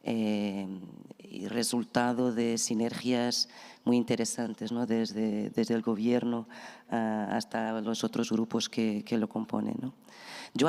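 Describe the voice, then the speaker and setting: A woman from Portugal, a native Portuguese speaker, gives a conference talk in a Portuguese accent, slowly and carefully, with hesitant restarts. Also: a bass voice, darkish tone. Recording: reverberant conference hall.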